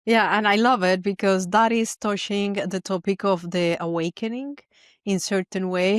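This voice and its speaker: A woman hosting a podcast interview, speaking in a measured way and often pausing to search for words. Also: mid-range voice, clean tone, no room sound, studio quality. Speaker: podcast host. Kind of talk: conversational interview.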